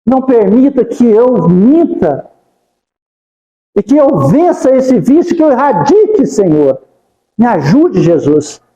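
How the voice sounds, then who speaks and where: A man's voice: extremely high pitch, sing-song, slow pace, dark tone, reverberant, big-room sound, poor audio. A man giving a devotional talk at a spiritist center, speaking fervent, pleading prayers and repeating the name of Jesus. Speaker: spiritist lecturer.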